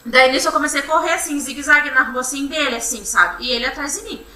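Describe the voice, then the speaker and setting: A woman's voice: sits high, pushed and bright. Young woman testifying in a roomy courtroom. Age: young adult. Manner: halting, repetitive retelling, often restarting with "then". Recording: roomy courtroom from far off, faint hum.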